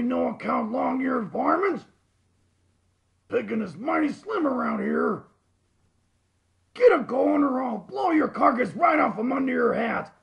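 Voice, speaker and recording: A furious little cartoon cowboy outlaw, blusters in an American Western drawl. The voice is extremely high and full of gravel, bellowing slowly with a short fuse. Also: male voice, muffled recording, heavily acted. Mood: irate.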